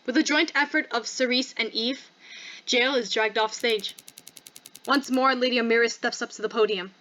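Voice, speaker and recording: A woman's voice: fairly high pitch, normal speed, pushed and bright, muffled recording. A woman reading a visual novel game aloud as narrator and host, dropping in casual asides.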